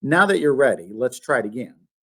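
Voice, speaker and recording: A man's voice: mid-range voice, sing-song, brisk, pushed and bright, husky, exaggerated voice. A man voicing a patient female math teacher in a storybook, encouraging and instructive. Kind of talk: storybook read-aloud.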